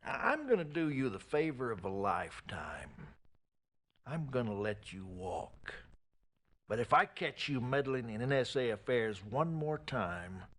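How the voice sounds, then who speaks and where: An actor playing a menacing government agency boss in a game, clipped, threatening and contemptuous. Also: male voice, medium pitch, sing-song, a little slow, fairly bright tone. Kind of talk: scripted game drama.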